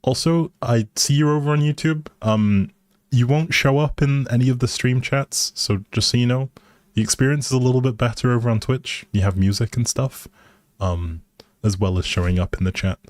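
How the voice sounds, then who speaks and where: A man's voice: medium pitch, normal speed, dry recording. A man livestreaming a game with casual, playful, teasing chat to his viewers.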